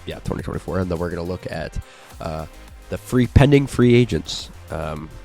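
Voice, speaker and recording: A man hosting a casual sports chat, stuffy from a cold, relaxed and full of fillers. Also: low-pitched, normal speed, vocal fry, faint music behind. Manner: laid-back, filler-heavy. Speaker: podcast host.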